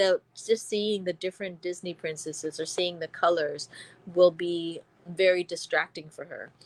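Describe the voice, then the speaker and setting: A woman's medium-pitched voice at a fairly slow pace, ordinary pitch variation, dry and close with no echo. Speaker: parent of a child with Down syndrome. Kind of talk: webinar presentation. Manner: halting.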